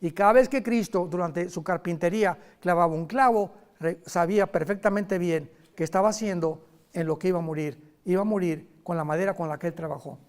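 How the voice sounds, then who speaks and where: Lively preacher man. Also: sits high. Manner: lively, conversational preaching with sudden loud emphasis and quick asides. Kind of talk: sermon.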